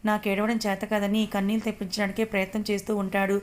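Scolding middle-aged mother, quick and level, read by a woman. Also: medium pitch, flat delivery, natural voice.

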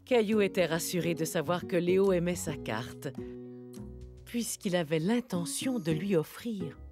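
A woman's voice: fairly low pitch, unhurried, over music. A woman narrating a scripted children's story as the narrator of a cartoon.

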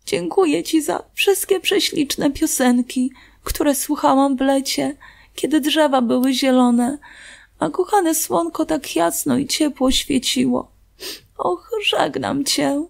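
Woman doing a tiny gentle girl, storybook, soft, tearful, pleading, high voice. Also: unhurried, creaky. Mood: tearful farewell.

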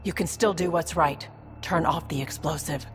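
A woman's voice: deep voice, moderate pace, a little hiss or hum, lightly acted. A woman voicing a protective, weary alien mercenary sister in a video game, dry, guarded and exasperated. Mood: protective, tense. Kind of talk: dramatic video game acting.

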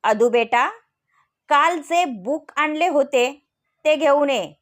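A woman voicing a strict middle-aged male professor who speaks in a stern, deadpan way. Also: high-pitched, slow.

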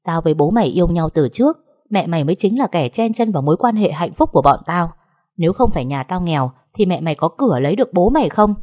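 A spiteful middle-aged stepmother hurls shrill, scornful abuse in an audiobook story, voiced by a woman reader. The underlying voice sits low and dark, with a mellow tone. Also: expressive, quick pace, no room sound, studio quality. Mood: furious. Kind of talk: audiobook narration.

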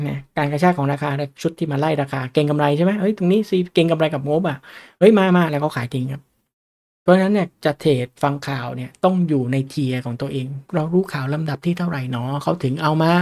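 A man teaches investing in a relaxed, conversational way. His voice sits a little high for a man, and he keeps checking in with his listeners with quick questions. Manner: chatty, asks the audience questions often. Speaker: stock market teacher. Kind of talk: casual lecture on stock charts.

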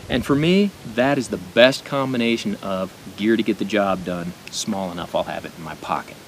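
A middle-aged American man with a speech impediment, giving an informal gear demonstration with deliberate pauses. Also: lively intonation. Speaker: knife and gear reviewer. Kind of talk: informal product demonstration to camera. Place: outdoors at a picnic table in woods. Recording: outdoor noise with low rumble.

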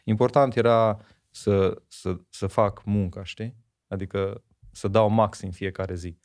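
As a guest in a podcast conversation, a fortysomething ex-speed skater from Miercurea Ciuc, Romania, shares memories in a thoughtful way. His lowish, slightly mellow voice keeps a fairly even intonation, and he often adds "you know?" to his sentences.

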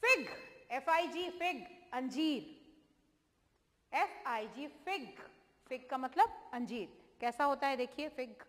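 A woman's voice: high-pitched, lively intonation, takes it slowly, a bit bright, in a large hall. A woman teacher, naming fruits, spelling each one out letter by letter and asking her students questions.

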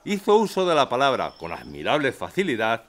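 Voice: medium pitch, wildly swooping pitch, fairly quick. A performer reading a formal old newspaper report aloud in an audio drama. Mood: formal, measured.

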